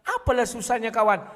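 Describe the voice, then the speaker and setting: Combative high-voiced man ranting to viewers. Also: fairly bright tone, long reverb tail. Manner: combative, addresses listeners as "kawan", frequent throat clearing. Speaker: online video host. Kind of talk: casual monologue to viewers.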